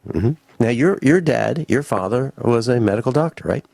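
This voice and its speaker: A man's voice: mid-range voice, lively intonation, moderate pace, gravelly, darkish tone, dry recording, clean studio sound. A man in his sixties hosting a radio talk show, chatting casually and rambling with restarts and fillers. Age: 60s. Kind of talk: casual radio interview chat.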